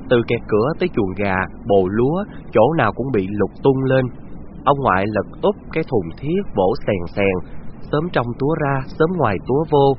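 A man, narrating a scripted story in a measured, descriptive way. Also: mid-range voice, dull audio, slight background noise.

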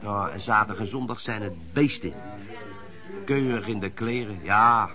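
An actor in a Dutch radio play voicing a knowing, streetwise veteran lodger, talking in a wry, confiding, colloquial way. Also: male voice, fairly low pitch, normal speed, a crowd in the background, lightly acted. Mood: wry, amused.

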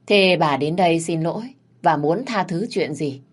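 A woman voicing a wealthy older man who speaks calmly but questions and reproves. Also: lowish voice, normal speed, close to an everyday voice. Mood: skeptical. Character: wealthy older man, flustered then sharply skeptical.

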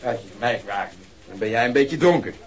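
A man's voice: lowish voice, animated, a little fast, close to an everyday voice. An actor playing a blunt, cynical, leering policeman who tells things with relish in a naturalistic radio drama.

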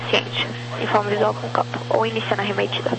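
A woman's voice: mid-range voice, completely flat delivery, fast, gravelly, loud music behind the voice, rough recording. A woman working as a tower controller, giving brief, courteous instructions in clipped phraseology over aviation radio. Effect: aviation radio transmission.

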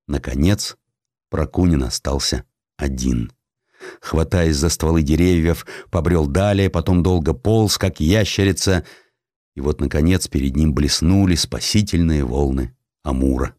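A man reading historical sketches as an audiobook narrator, in an expressive, deliberate, dramatic storytelling style. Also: a bass voice, no room sound, clean studio sound.

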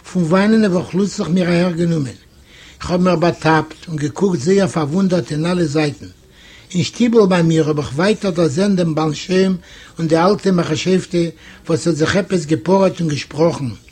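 A man from Eastern Europe reading a classic story aloud in measured storytelling. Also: fairly high pitch, darkish tone, slightly rough. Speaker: audiobook narrator. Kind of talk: scripted literary narration.

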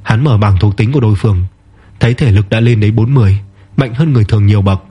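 A man narrating a fantasy story in a steady, measured way. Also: on the low side, husky.

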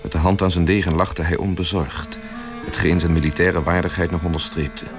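A man narrates a literary radio play in a low voice. His delivery is scripted storytelling, with music playing behind him. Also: little pitch movement, fairly quick.

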